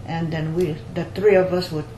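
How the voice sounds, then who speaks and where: Halting older woman in an echoey room. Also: sits low, flat delivery, warm tone. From rural Louisiana, United States. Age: 70s or older. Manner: halting, repeats phrases. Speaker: basket maker interviewee. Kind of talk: oral history interview, personal recollection. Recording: roomy echo, faint background noise.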